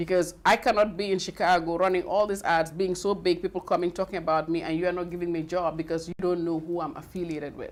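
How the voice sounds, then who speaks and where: A woman with an African accent, fairly low in pitch, racing along at a very fast pace in an animated tone with hardly any pauses. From West Africa (Gambia). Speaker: businesswoman, former talent agency owner. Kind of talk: interview, personal story.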